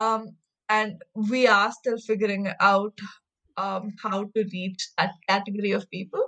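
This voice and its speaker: The delivery comes at a fairly slow pace, flat and monotone. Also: woman, medium pitch for a woman. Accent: Kannada. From India, Karnataka. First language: Kannada. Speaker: climate activist. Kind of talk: podcast interview.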